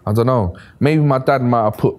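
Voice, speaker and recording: A man's voice: mid-range voice, normal speed, darkish tone. A man in his thirties, a panel guest talking in an easygoing, plainspoken way. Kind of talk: casual discussion. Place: bright studio room, city view.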